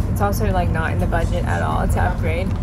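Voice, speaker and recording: Loud background noise surrounds a woman speaking at a fairly quick pace. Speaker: travel vlogger. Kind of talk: casual vlog chat. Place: boat. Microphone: phone near.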